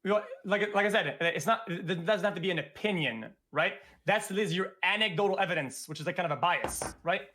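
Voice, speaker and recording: High, bright, fast-talking young man. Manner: excitable, rambling, profane. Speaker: streamer. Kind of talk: casual heated debate.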